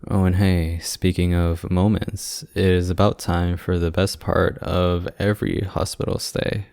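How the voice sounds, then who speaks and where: A man's voice: low voice, level tone, measured pace, vocal fry, dry recording, studio quality. A man playing an affectionate, playful boyfriend in an ASMR audio roleplay, teasing and sweet in manner. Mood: tender, playful. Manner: teasing, sweet, gently joking. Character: affectionate, playful young boyfriend visiting hospitalised partner.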